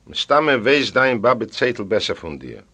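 A man narrates a story as an audiobook reader, with a middle-pitched voice that rises and falls widely. He reads dramatically and voices each character with sharp changes in loudness. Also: measured pace, slightly rough. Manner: lively, voicing the characters with big shifts of pitch and loudness. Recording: library recording from the 1980s or 1990s.

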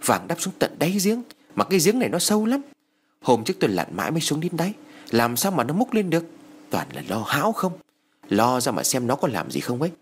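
A man voicing an anxious, scowling village husband, talking loudly and impatiently. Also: mid-range voice, huge pitch swings, a little hiss or hum. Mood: irritated. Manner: loud, exasperated, quick.

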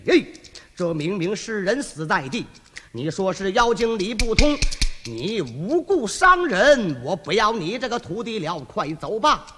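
A storyteller playing Tang Monk, a gentle but stern master monk, in a slow solemn preaching manner, for a traditional storytelling performance. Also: mid-range voice, sing-song, big-room sound, slight background noise, pitched below the performer's own voice. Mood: solemn, scolding.

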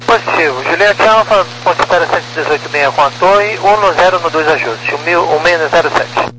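Guy pilot on the radio reading back clearances, kinda high voice, clipped, pretty noisy hum. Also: brisk. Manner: clipped procedural phrasing. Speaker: airline pilot. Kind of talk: pilot radio communication with air traffic control.

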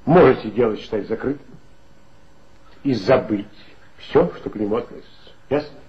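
An actor playing an authoritative male police chief in a 1960s radio play, with a smooth, insinuating, lecturing manner. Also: lowish voice, moderate pace, lightly acted. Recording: dull lo-fi old radio recording.

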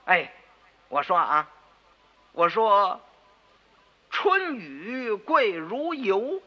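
A male storyteller voicing a clever, cheeky young schoolboy who speaks softly and innocently, on a dull radio recording with long reverb. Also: a little high, lively intonation, measured pace. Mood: innocently sly. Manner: soft, sly, innocent-sounding. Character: clever, cheeky nine-year-old schoolboy.

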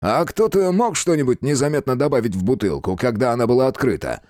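Guy voicing a gruff-ish official, bossy and short, mellow tone. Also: medium pitch, expressive, fast, dry recording, clean studio sound, voice pushed up, lightly acted. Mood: stern. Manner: curt, authoritative. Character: stern male police official, brisk, commanding.

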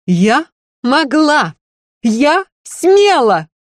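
A reader doing a proud stage actress in a fury, her voice pitched high and loud and her delivery grand and cutting. She declaims every insult slowly, as if from a stage. It is recorded dry and close. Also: big pitch swings, no room sound, full character voice. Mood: raging. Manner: shrill, mocking, declamatory. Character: proud famous actress woman, furious.

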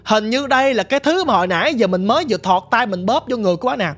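A woman's voice: on the high side, expressive, very fast, soft background music. A woman with a Southern Vietnamese accent telling her ghost story in a vivid, dramatic, casual way, talking straight to the listener. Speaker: storyteller guest.

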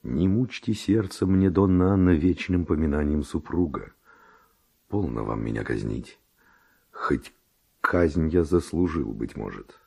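A man's voice: extremely low pitch, a little slow, creaky, mellow, husky, heavily acted. An actor playing a passionate Spanish nobleman seducer, speaking verse in an ardent, declamatory radio drama manner. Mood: pleading.

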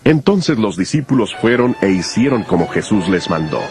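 Low, lively male scripture narrator. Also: moderate pace, faint music behind.

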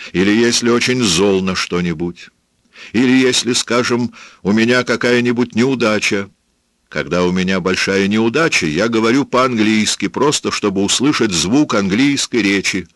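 A man voicing a weary, irritable young American soldier in an audiobook, with a low, dry, slightly raised delivery. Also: fairly bright tone, no echo.

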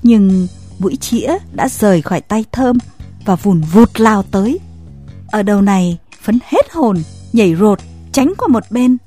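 A woman narrating a story in an expressive, scripted way. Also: medium pitch, a little slow, soft background music.

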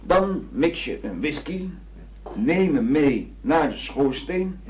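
An actor playing a bossy, impatient grown son in a radio drama, giving commanding instructions. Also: male voice, a little high, animated, slow pace. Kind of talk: naturalistic radio drama acting. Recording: dull radio-play recording, faint noise.

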